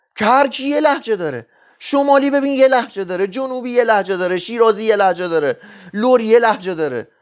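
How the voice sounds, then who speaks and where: On a very clean recording with a silent background, a man with a high voice talks at a very fast pace in an animated tone with lively intonation. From Iran, Isfahan. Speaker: livestream host. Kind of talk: casual monologue.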